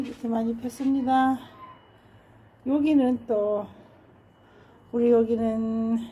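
A woman giving a slow, fond tour of her balcony geraniums, repeating each flower's name with little sighs of delight. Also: on the high side, mellow, a little hiss or hum. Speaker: home gardener showing her geraniums. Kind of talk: casual garden tour narration. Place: home balcony with plants.

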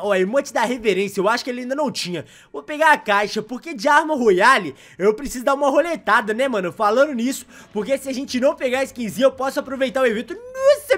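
A young man from Brazil with a Brazilian Portuguese accent, giving excited, exasperated gameplay commentary full of slang, his voice going hoarse. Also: very high-pitched. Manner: exasperated, exclaims often, heavy slang. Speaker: gaming YouTuber.

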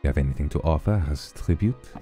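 A man's voice: rumbling low, fast, over loud music. A man voicing a courteous male doorman in a put-on French accent, speaking formally and politely. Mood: coy. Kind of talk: reading game dialogue aloud.

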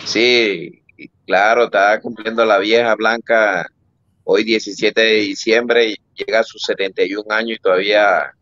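A man joining a talk show as a guest over a video call, warm and courteous. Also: lowish voice, steady tone, measured pace, no echo, lo-fi sound. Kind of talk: friendly greeting on a talk show.

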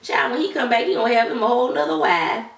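A woman's voice: on the high side, very animated, quick pace, creaky. A woman playing a gossipy, sassy middle-aged babysitter auntie, rambling chattily and calling everyone child and honey. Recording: roomy room, mic at a distance.

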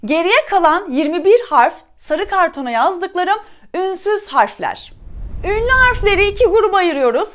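A woman teacher from Turkey giving a lesson to young schoolchildren, slowly and clearly sounding out letters one by one. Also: very high voice, very animated, a bit bright. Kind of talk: children's lesson.

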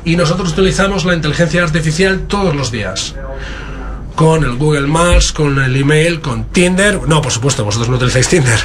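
A man with a Spain Spanish accent, interpreting a keynote simultaneously from a booth in a halting, stop-start way. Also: a little high, a crowd in the background.

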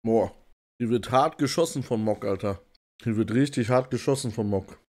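A male streamer talks over clips in a loose, slangy way, chuckling now and then. His voice sits at an ordinary middle pitch. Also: normal speed, darkish tone. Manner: laid-back, slangy, laughs often. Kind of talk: casual reaction commentary. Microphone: desktop condenser mic.

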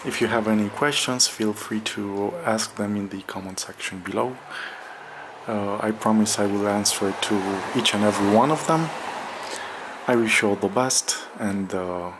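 A man narrating a casual walk-through vlog in a halting, hesitant way with drawn-out pauses, recorded indoors on a handheld camera. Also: fairly low pitch, background noise. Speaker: vlogger. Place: bare room under renovation, indoors, windows open.

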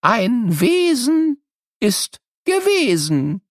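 An actor playing an excitable, playful elderly cartoon scientist who stumbles over words as he teaches children in an educational audio drama. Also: very high-pitched, extremely slow, dry recording, clean studio sound, exaggerated voice. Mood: playful explaining.

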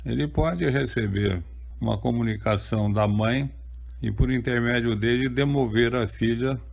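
An older man with a Brazilian Portuguese accent, an author answering interview questions calmly and explaining at a measured pace. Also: mid-range voice, creaky.

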